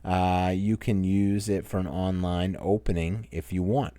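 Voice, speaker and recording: A low-pitched man with a Maine accent chats casually as the host of his own channel, wandering from point to point as he answers viewer questions. His voice sits close and dry, with almost no room sound. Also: steady tone, unhurried, warm tone, no echo. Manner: rambling, conversational, reads viewer comments aloud. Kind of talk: casual Q&A chat.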